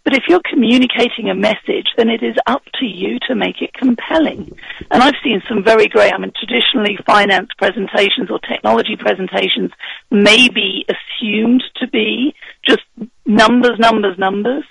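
A man with a husky voice, worn from speaking the week before, giving confident, instructive advice on presenting as a guest in a radio interview. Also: sits high, moderate pace, a bit bright, no room sound, low-quality recording.

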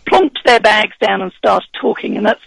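A man with a husky voice, worn from speaking the week before, giving confident, instructive advice on presenting as a guest in a radio interview. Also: sits high, animated, moderate pace, fairly bright tone, a little hiss or hum, poor audio.

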